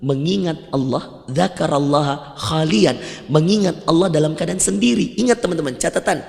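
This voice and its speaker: A man's voice: on the high side, normal speed, gravelly, darkish tone. A man with a Makassar Indonesian accent giving a mosque sermon, telling stories with humor and quoting Arabic. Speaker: preacher. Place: large mosque hall. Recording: long mosque reverb.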